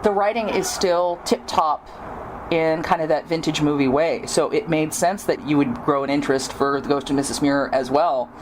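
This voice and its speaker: A woman's voice: sits low, moderate pace, noisy background. A woman hosting a podcast, chatting casually in an interview and acting out what other people say in a chatty way. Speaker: podcast host.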